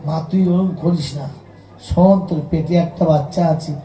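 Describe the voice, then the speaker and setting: A man preaching, voicing a poor, gentle older father who softly coaxes his daughter. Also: fairly high pitch, fairly even intonation, normal speed, echoey room, pitched below the performer's own voice, lightly acted. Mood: pleading.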